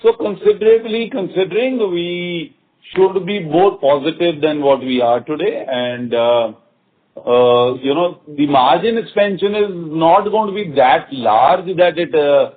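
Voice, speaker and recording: A man with an Indian accent speaking as a company executive on an earnings call, halting and repeating phrases as he answers in a semi-formal business style. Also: fairly high pitch. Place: conference call. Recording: muffled conference phone line.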